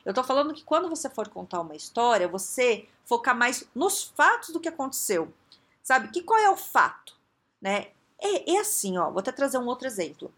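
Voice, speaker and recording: A woman with a Brazilian accent, a coach giving casual advice in an animated way, laughing often and acting out quotes. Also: fairly high pitch, normal speed. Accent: Brazilian Portuguese.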